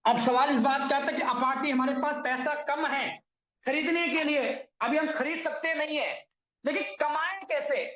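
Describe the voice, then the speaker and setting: A man's voice: very high voice, moderate pace, a bit bright. A man presenting and explaining an earning plan to viewers, often calling them friends and correcting his own figures as he goes. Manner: repeatedly addresses listeners as friends, corrects himself on numbers. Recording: echoey room, dull lo-fi sound.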